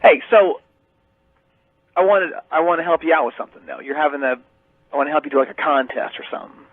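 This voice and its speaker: Talking fast in a slightly high voice with no room sound, a male caller ribs the radio host in a mock-bossy, needling way. His voice reaches the broadcast over a thin phone line.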